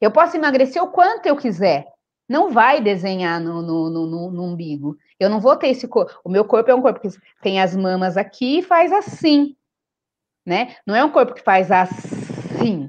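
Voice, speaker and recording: A woman speaks at a moderate pace in a fairly high voice. Her pitch swings very widely and her loudness rises and falls sharply. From Piracicaba, São Paulo state, Brazil; São Paulo state, Brazil. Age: 40s. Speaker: nutritionist; guest. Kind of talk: interview conversation. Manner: halting, frequent repetitions. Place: home room. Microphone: video call.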